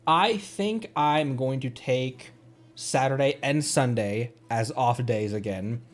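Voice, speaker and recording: A man's voice: mid-range voice, slow. A man chatting casually on a livestream during gameplay, easygoing and rambling as he corrects himself. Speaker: livestreamer, VTuber. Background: faint game music.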